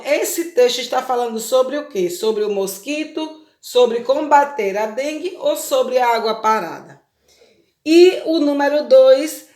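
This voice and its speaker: Brazilian woman teacher, higher voice, patient with small kids, echoey room recording. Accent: Brazilian Portuguese. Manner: patient, explains step by step with many check questions. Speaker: primary school teacher. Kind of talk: recorded remote lesson for children.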